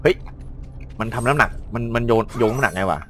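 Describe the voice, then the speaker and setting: A man giving excitable, joking commentary while playing an action game. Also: medium pitch, quick pace, faint music behind. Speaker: gameplay commentator. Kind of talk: let's play commentary.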